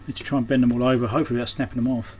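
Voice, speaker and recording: A man's voice: medium pitch, little pitch movement, racing, darkish tone. A man giving casual, unscripted hands-on repair commentary, thinking aloud as he works. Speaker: host of an electronics repair channel. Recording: clearly noisy background.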